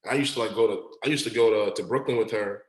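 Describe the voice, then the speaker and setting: A young man from Long Island whose first language is Igbo, a podcast guest talking in a relaxed, slangy way with lots of "like" fillers. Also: on the low side, racing. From Long Island, New York. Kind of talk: casual podcast conversation. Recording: roomy echo.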